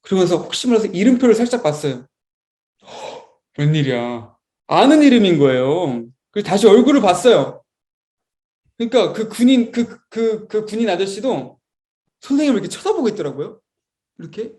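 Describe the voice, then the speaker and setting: A young man, a Sunday school teacher, telling a story to children in a lively, expressive way. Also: sits high, brisk.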